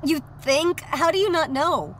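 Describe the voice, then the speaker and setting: A woman's voice: sits high, lively intonation, unhurried, a little hiss or hum. An actress playing a brash, foul-mouthed young woman, blunt and urgent, in a naturalistic audio drama. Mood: alarmed, urgent.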